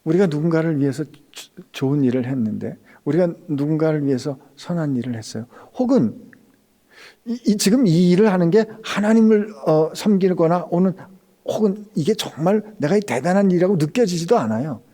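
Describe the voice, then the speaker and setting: A male pastor preaches a sermon in a fairly quick, somewhat high voice with lively intonation. He swings between raised, emphatic passages and hushed, whispered lines, acting out quoted speech in intimate tones.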